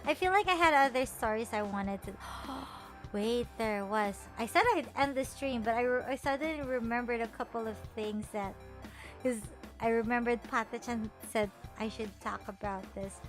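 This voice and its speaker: A woman's voice: on the high side, normal speed, faint music behind. A woman from the Philippines, chatting playfully on a stream, teasing herself and laughing often. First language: Filipino. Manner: animated, playful and self-mocking, laughs often. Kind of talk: casual chat stream.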